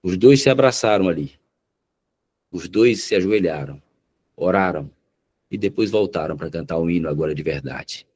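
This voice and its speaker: Brief: a low-pitched man preaching through a story, dramatic and deliberate. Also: animated, a little mellow, slightly rough. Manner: dramatic, slows down for emphasis. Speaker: pastor. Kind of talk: sermon storytelling.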